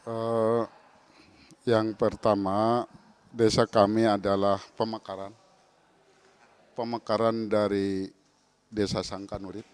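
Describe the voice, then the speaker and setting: A middle-aged man, a village head answering as a talk show guest in a halting way, repeating his words. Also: fairly low pitch, flat delivery, a little mellow, clean tone. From Kuningan, West Java.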